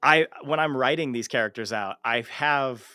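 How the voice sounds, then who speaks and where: A man's voice: medium pitch, normal speed, bright, forceful tone, clean tone, no echo, studio quality. A man hosting a casual livestream interview, talking informally and swearing freely. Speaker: show host and amateur voice actor.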